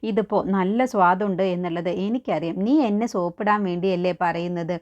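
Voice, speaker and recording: A woman's voice: on the low side, fairly even intonation, brisk, a little mellow, highs cut off, natural voice. A woman voicing a stern, suspicious middle-aged mother who questions and scolds, within a story recap. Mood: scolding.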